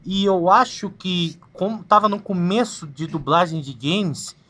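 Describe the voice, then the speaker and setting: A woman with a Brazilian Portuguese accent, hosting a talk show in a relaxed, slangy way. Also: fairly low pitch, measured pace. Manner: laid-back, slangy, uses mild swearing. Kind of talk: casual interview chat.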